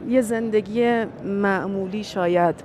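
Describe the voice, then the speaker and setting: A woman's voice: medium pitch, crowd noise. Hesitant woman with Azerbaijani-tinged Persian. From Ardabil, Iran. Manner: hesitant, thoughtful, many pauses and fillers. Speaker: actress guest. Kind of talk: interview answers. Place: indoor TV studio set.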